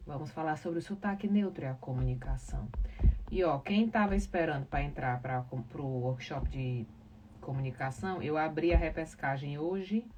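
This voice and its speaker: A woman's voice: low-pitched, normal speed. A woman with a Northeastern Brazilian accent from Ceará, explaining things informally and didactically to live viewers, stressing key words. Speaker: live podcast host, communication professional. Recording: distant mic, clear background noise.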